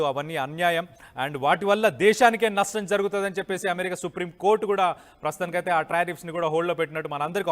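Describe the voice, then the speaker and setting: High-pitched Telugu newsman in heavy reverb. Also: fairly bright tone. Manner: emphatic, repeats phrases for stress. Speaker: news presenter. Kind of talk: live news commentary, explaining and opining.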